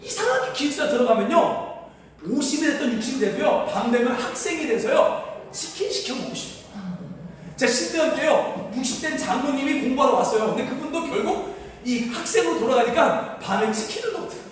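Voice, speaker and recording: High-voiced pastor preaching in echoey hall. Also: male voice, fairly quick, slight background noise. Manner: animated, asks the congregation questions. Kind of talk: sermon with storytelling. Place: church sanctuary. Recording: distant mic in echoey hall.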